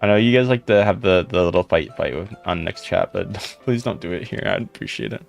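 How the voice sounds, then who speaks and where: A young man with a deep voice, casually chatting with viewers on a live stream. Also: animated, fairly quick, creaky. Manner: laid-back, rambling, chatting to viewers. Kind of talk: casual live stream chat, reading comments. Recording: faint music in background.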